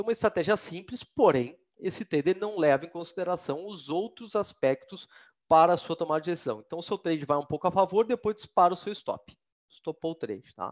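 A man with a high voice talks at a fairly quick pace with lively intonation. The sound is dry and close with no echo, over a quiet background. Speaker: professional trader. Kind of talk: live webinar presentation. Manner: casual, animated.

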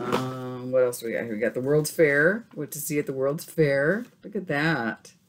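A woman with a very deep, low pitch talks at a moderate pace with lively intonation and big swings in loudness. Noticeable background noise is present. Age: 50s. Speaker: crafts YouTuber; craft vlogger. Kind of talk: casual show-and-tell vlog. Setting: home art room. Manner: halting, many fillers. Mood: curious, warm.

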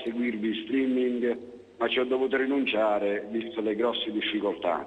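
At a moderate pace, a man talks. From Foggia, southern Italy; southern Italy. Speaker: caller. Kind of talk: call-in question. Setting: phone call. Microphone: phone line.

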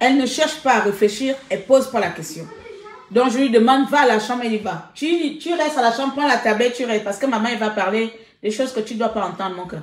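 The speech comes at a very fast pace. Room echo is audible. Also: woman, ordinary pitch variation. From Gabon. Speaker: activist livestream host. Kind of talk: casual vlog chat, live-stream commentary. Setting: online live stream. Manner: animated. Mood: serious, indignant. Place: home room. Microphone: phone near.

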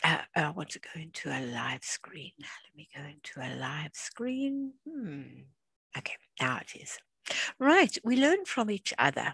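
In a South African accent, the voice has vocal fry, very wide pitch swings, big swings in loudness and a fairly slow pace, recorded with a dry, close sound with no echo against a quiet background. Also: woman, medium pitch for a woman. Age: 60s. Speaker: craft instructor and retired educator. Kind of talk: tutorial.

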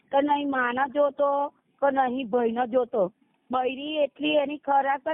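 A woman speaks in a high pitch. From Gujarat, India (Kathlal). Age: 50s. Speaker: caller. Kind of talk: complaint on phone. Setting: phone call.

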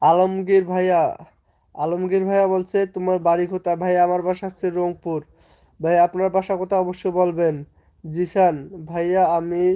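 Over a very clean recording with a silent background, a man speaks in a high-pitched, dark, mellow tone with monotone, flat intonation. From Bangladesh, Rangpur. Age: young. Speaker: YouTuber and online earning coach. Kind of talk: live stream chat. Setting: indoors under a mosquito net.

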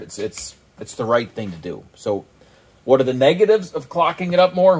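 A man is talking fairly quickly. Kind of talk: tutorial. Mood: relaxed, pleased. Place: workshop. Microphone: phone near.

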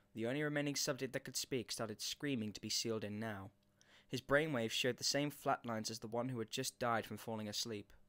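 Pitch of ordinary variation from an unforced reading voice

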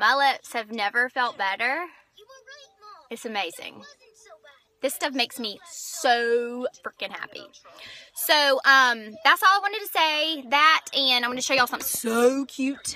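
Over light background noise and a dry sound with no echo, a woman in a raised, projected voice speaks at a fairly slow pace with lively intonation and long, frequent pauses. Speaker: lip product seller. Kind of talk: casual vlog chat. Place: car. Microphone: phone near.

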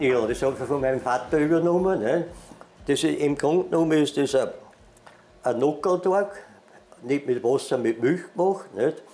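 Speaking with an Upper Austrian accent at a fairly slow pace, the voice has a dark, mellow tone and ordinary pitch variation. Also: man. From Upper Austria (Eferding). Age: 80s+. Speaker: retired cook, food blogger. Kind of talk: interview answer. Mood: warm, enthusiastic. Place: kitchen. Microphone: lapel.

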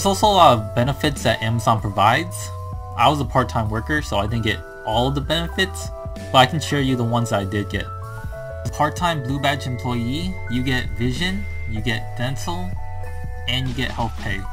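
Over clear background music, a man talks at a fairly quick pace in a fairly low pitch. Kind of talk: casual vlog chat. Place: home room. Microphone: webcam.

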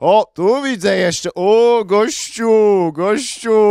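A man talks against a quiet background. His pitch varies in an ordinary way, and the sound is dry with no echo. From Poland. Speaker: stand-up comedian and host. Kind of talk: stand-up crowdwork, roasting and joking with audience members. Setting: live comedy club show with audience, streamed online. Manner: animated, sarcastic, teasing; bantering, with filler hesitations, improvised. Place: stage. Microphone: handheld.

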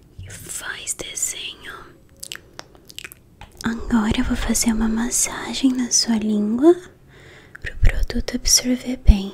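A soft-spoken woman talks at a very slow pace. She leaves long, frequent pauses. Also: big swings in loudness. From Brazil. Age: young. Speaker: ASMR artist. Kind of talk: ASMR roleplay as piercer. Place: home room. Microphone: studio mic.

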